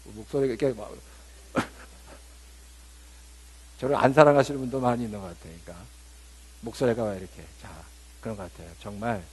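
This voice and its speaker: A male pastor preaching a Holy Week sermon to his congregation. He preaches emphatically, slips English words in, and coaxes the listeners to answer him. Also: on the low side. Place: church service.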